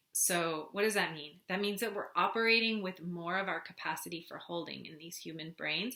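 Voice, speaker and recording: A woman speaks with a California Valley accent in a bright, sharp tone. Her pitch is medium, with ordinary variation. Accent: California accent, Valley Girl upspeak. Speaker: spiritual teacher. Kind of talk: vlog monologue. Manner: soft-spoken.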